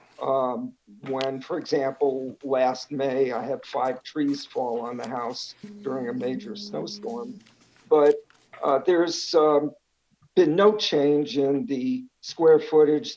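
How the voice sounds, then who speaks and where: A man's fairly high voice with lively intonation, big swings in loudness and a fairly slow pace over music in the background. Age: 60s. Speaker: retired educator, property owner appealing assessment. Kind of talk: public hearing testimony. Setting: county board hearing. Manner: halting, many fillers.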